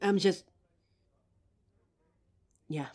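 A woman's voice: extremely slow, a little mellow. A young woman voicing an anxious, protective female werewolf who stammers and sighs as she talks to her partner. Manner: hesitant, stammering, sighing often. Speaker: voice actor in audio roleplay. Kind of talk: audio roleplay for a listener.

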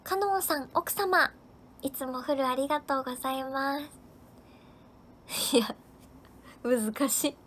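High-voiced woman live-streamer thanking viewers. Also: a little slow, pauses often, a bit bright, a little hiss or hum. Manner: cheerful, thanks viewers by name one after another. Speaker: livestream host. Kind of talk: casual live-stream chat reading viewer comments.

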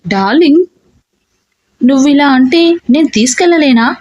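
A woman's voice: high voice, lively intonation, moderate pace, darkish tone, no room sound, highs cut off. A woman voicing a playful young husband in a romantic audiobook story. She keeps him teasing and mock-serious.

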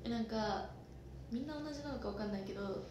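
A woman's voice: fairly high pitch, fast talker, a little mellow. A woman, chatting casually on an idol livestream and reading out viewer comments. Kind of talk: casual chat. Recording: echoey room with noticeable noise.

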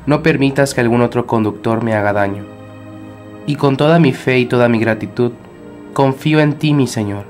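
A man reciting a prayer aloud in a solemn, measured way. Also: medium pitch, faint music behind. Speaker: prayer reader.

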